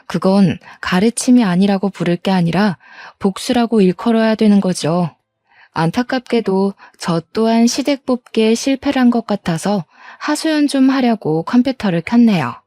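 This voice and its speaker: A woman's voice: medium pitch, expressive, normal speed, warm tone, no echo. A woman in her thirties reading a first-person story aloud in an aggrieved, complaining tone. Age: 30s.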